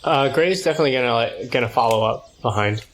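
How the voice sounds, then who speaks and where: A man's voice: medium pitch, fast, a little hiss or hum. A man casually describing his character's moves as a player in a tabletop game.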